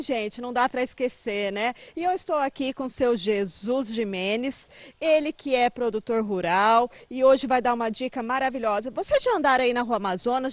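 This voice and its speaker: A woman's voice: fairly high pitch, dry recording. A woman in her thirties from Brazil, a field reporter cheerfully hosting a gardening segment outdoors, holding a handheld mic. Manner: cheerful, addresses viewers directly.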